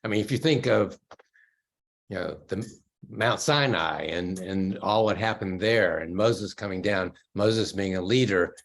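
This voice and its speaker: A man's voice: low-pitched, a little slow, vocal fry. A man in a study group discussion, thinking aloud in a hesitant, thoughtful way. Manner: thoughtful, hesitant, restarts often.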